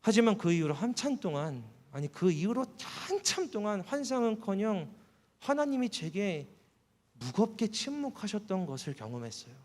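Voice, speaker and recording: A man preaching a sermon, a pastor telling a personal story. His voice sits a little high, and he drops it low and soft when he quotes words. The sound carries a long reverb from a church hall. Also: big pitch swings, normal speed.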